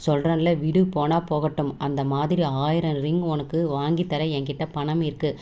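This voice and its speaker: A woman's voice: low-pitched, fairly even intonation, moderate pace, warm tone, highs cut off, lightly acted. A woman storyteller voicing a young husband who is tender but possessive and firm. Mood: consoling. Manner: coaxing, then gruff and firm.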